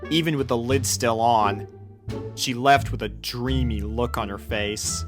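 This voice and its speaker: A man's voice: medium pitch, a little slow, over music. A man reading a scripted story aloud as its narrator. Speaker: fan fiction narrator.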